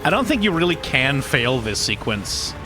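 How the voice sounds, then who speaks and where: A man's voice: mid-range voice, very animated, moderate pace, music in the background. A man giving casual let's-play commentary as he plays. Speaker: gaming video host.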